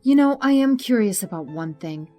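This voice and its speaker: A woman's voice: medium pitch, expressive, moderate pace, mellow, soft background music, natural voice. Woman playing a clipped, guarded psychologist. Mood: guarded, annoyed. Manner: clipped, clinical, dismissive. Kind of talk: audio drama acting.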